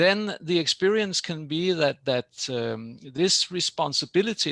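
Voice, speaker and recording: With a Danish accent, a man talks at a fairly slow pace in a fairly high, bright, sharp voice with lively intonation. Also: dry, close sound with no echo, very clean recording, silent background. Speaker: university lecturer. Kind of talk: academic discussion. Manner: halting.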